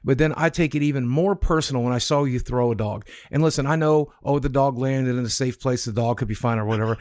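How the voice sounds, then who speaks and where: A man's voice: mid-range voice, fast, darkish tone, no room sound, clean studio sound. A man on a casual podcast, earnestly laying out his points one by one. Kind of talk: casual argumentative chat.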